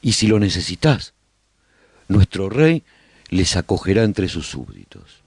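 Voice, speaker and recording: A man playing a survivor who calmly narrates life in a post-apocalyptic colony for a radio drama, reflective and husky, with pauses. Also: deep voice, dry recording, clean studio sound, full character voice. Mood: signing off. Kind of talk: scripted first-person radio drama narration.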